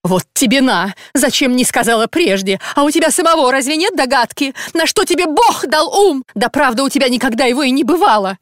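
Reader putting on a high shrill angry wife, yelling and scolding, dry close sound. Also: female voice, lively intonation, a little fast, few pauses, no echo. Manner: shrieking, sobbing insults. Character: furious shrill older wife, scolding her husband.

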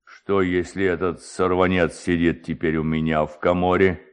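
Casting: male reader as domineering middle-aged village boss, deep voice, ponderous commanding delivery, audio storybook. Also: flat delivery, clean tone, natural voice. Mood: gruff, suspicious. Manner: slow, weighty, imperious delivery.

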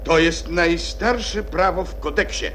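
A man's voice: fairly high pitch, unhurried, fairly bright tone, soft background music. An actor playing a pompous, muddled king acting as judge in a children's audio play, hesitant and self-important. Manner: pompous, hesitant, contradicts himself. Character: blustering, muddled King of Hearts presiding as judge. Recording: old record with faint noise.

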